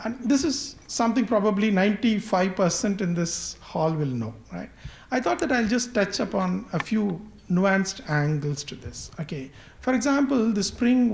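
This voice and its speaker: A Tamil accent at a moderate pace. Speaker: embassy official introducing a cultural event. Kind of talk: speech to an audience. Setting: embassy hall with audience. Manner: hesitant, many fillers.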